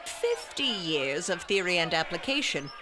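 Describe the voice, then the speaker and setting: Woman acting a wise, sharp-tongued old scholar, swooping delivery. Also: on the low side, big pitch swings, normal speed, crowd noise, background noise. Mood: defiant, scornful. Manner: declamatory, wry, scholarly. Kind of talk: audio drama acting.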